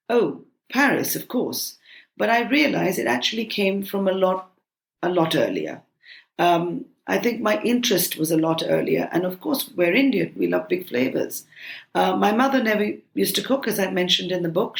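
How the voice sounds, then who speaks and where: Woman, sixties, raised in Britain, gravelly, hesitant with ums and restarts, remote call from home. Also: mid-range voice. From United Kingdom. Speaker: cookbook author and chef. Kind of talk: relaxed conversational interview.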